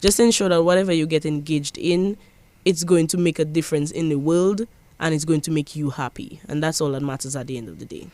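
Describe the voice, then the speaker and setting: A woman's voice: low voice, brisk, a little mellow, no room sound. Earnest young Dominican woman, dry sound. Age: young adult. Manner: earnest, emphatic, with repeated restarts. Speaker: parliamentary secretary. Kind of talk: interview.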